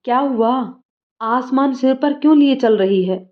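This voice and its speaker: A woman's voice: high-pitched, measured pace, voice pushed up. A woman voicing a confident young male student leader, polite but firm, on slightly dull audio. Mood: concerned.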